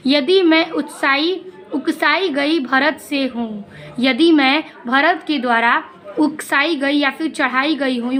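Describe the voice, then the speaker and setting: A woman teacher explaining a poem line by line, reading the verses slowly and then explaining them in plain words. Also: high-pitched, fairly bright tone.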